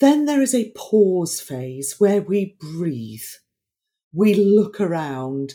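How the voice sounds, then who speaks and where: On a very clean recording with a silent background, a woman with a dark, mellow tone speaks at a very slow pace and medium pitch, her pitch swinging very widely. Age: 50s. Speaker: leadership coach and author. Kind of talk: interview.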